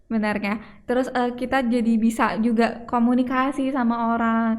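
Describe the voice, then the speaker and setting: A woman's high-pitched voice holds a monotone, flat intonation at a moderate pace. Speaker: podcast host. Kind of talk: casual interview questions.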